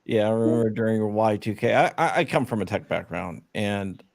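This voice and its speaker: A man hosting a casual livestream interview, relaxed, reading out viewer questions. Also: fairly low pitch, a little fast, vocal fry. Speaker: host.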